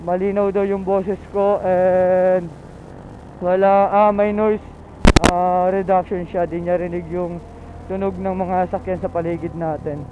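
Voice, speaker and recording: A man's voice: sits high, flat delivery, a little slow. A Filipino man chatting casually to viewers as he records a motorcycle vlog, often repeating short phrases. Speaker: motorcycle vlogger. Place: outdoors on a motorcycle in traffic. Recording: dull lo-fi, loud traffic and engine noise.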